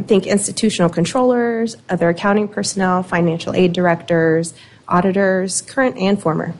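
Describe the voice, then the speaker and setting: A woman with a slightly squeaky voice, an internal auditor giving measured, explanatory prepared remarks at a public meeting. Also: darkish tone. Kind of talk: formal committee presentation.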